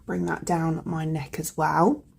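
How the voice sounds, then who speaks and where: A woman vlogging in a casual, rambling way, dropping fillers as she goes. Her voice sits fairly low and is gravelly and croaky from a cold. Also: flat delivery, a little slow, a little mellow. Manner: rambling, full of fillers like "like" and "you know". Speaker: beauty vlogger. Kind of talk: chatty product review.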